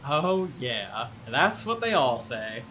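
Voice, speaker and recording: A woman playing a casual, blunt small-town local in an audio drama, speaking in a halting, animated way. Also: rumbling low, slight background noise, full character voice. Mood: ominous, scornful. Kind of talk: audio drama, naturalistic dialogue.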